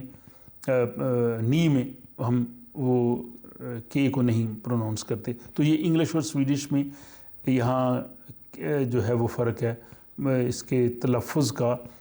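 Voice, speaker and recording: A man teaches a language lesson at an unhurried, deliberate pace. His voice is dark and mellow, and he pauses often with fillers as he works through each point. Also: medium pitch, steady tone. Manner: slow, halting explanation with many fillers.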